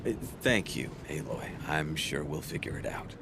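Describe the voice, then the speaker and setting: An actor playing a reflective outcast tribal hunter in a video game, speaking in a measured, earnest way. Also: male voice, extremely low pitch, lively intonation, creaky, noisy background, full character voice. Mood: pensive. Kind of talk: video game cutscene acting.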